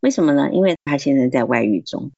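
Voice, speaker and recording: A woman's voice: rumbling low, animated, fast talker, creaky, dark tone, no room sound, muffled recording. A woman giving earnest, encouraging Christian advice on marriage and self-control, acting out quoted remarks. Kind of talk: faith-based advice talk.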